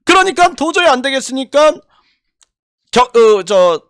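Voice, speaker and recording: A man's voice: extremely high pitch, very animated, measured pace, fairly bright tone, smooth, no echo, clean studio sound. An older man giving impassioned political commentary, indignant and full of rhetorical questions and repeated phrases. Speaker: YouTube commentator.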